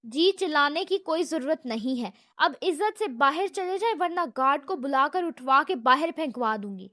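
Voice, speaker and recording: A woman voicing a feisty, stubborn young office assistant who fires back sharp, sassy retorts in a storybook reading. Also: high-pitched, expressive, no room sound, studio quality. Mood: sassy defiant.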